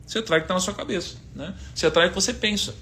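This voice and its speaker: A man's voice: high-pitched, very fast, bright, forceful tone. A man in his thirties with a Brazilian accent, giving a casual faith and money talk, full of rhetorical questions and quoted verses. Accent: Brazilian Portuguese. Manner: conversational, asks rhetorical questions, quotes scripture. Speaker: finance speaker giving a faith-based talk. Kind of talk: casual teaching talk, live stream.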